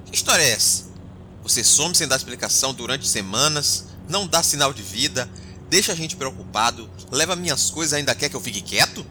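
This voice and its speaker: A man's voice: medium pitch, expressive, a little fast, noisy background, lightly acted. An actor playing a grumbling, indignant male spaceship captain in an audio drama.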